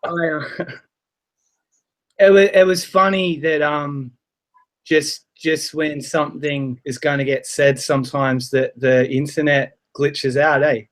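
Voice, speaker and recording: A man calls into a live stream and chats with easy humor. His voice sits a little higher than most men's. He keeps the tone light and upbeat. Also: steady tone, slow pace. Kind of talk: casual chat.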